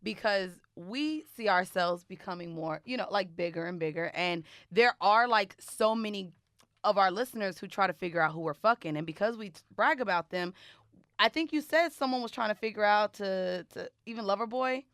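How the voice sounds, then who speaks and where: A woman's voice: mid-range voice, normal speed, a bit bright, clear, resonant tone, no echo. A woman with a mid-range voice speaks as a podcast co-host. She chats casually in slang and puts questions to the others. The recording is dry, without audible room. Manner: informal, slangy.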